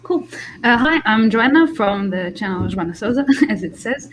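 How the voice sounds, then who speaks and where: A woman's voice: mid-range voice, animated, normal speed, a little hiss or hum, poor audio. Cheerful woman, Portuguese native speaker. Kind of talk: casual video-call discussion.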